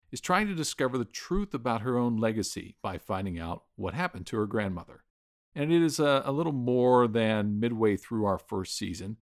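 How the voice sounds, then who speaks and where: A man's voice: on the low side, dry recording, studio quality. A middle-aged man narrating and explaining as a podcast game master.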